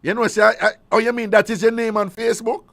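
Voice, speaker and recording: Jamaican लहजे वाला एक आदमी, रेडियो होस्ट, ऊँची और खरखराती आवाज़ में छेड़छाड़ भरी बातचीत।. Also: male voice, high voice, little pitch movement, quick pace, creaky, fairly bright tone. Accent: Jamaican. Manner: teasing, repeats questions, playful mishearings. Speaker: radio talk show host. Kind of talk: live call-in radio banter.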